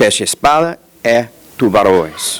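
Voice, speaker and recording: A man with a non-native accent at a very slow pace, with very wide pitch swings and noticeable background noise. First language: English (speaking Portuguese). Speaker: law professor. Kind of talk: lecture. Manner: halting.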